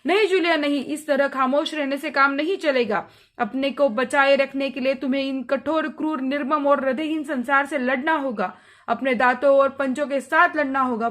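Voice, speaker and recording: A woman's voice: high voice, close to an everyday voice. A woman reading the part of a stern, scheming male employer who lectures and scolds his governess. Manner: lecturing, grows agitated and stammers.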